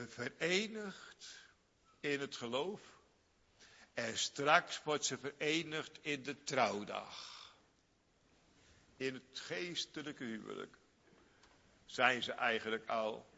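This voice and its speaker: A man preaching a sermon slowly and emphatically, repeating phrases and swinging from loud high outbursts to quiet low asides. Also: gravelly. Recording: dull lo-fi recording in a reverberant hall.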